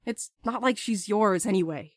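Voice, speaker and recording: A woman's voice: medium pitch, normal speed, no room sound, clean studio sound, close to an everyday voice. A woman playing a restless, blunt courier in an audio drama, urgent and sardonic, eager to escape. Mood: eager, teasing.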